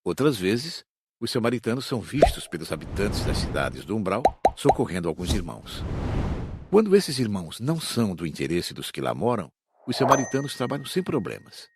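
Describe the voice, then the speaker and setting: A Brazilian man playing a patient spirit teacher in an audiobook, explaining in a measured, didactic way. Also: lowish voice, very animated, very noisy. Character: patient male spirit teacher instructing his students. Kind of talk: audiobook dramatized reading.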